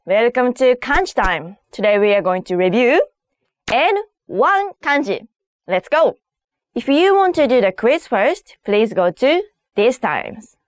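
High-pitched, very lively woman teacher. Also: measured pace. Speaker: host of a kanji lesson series. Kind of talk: scripted language lesson narration.

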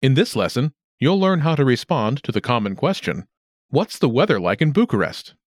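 Man narrating a lesson with lively pitch. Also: normal speed, no room sound, studio quality. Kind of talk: scripted instructional narration.

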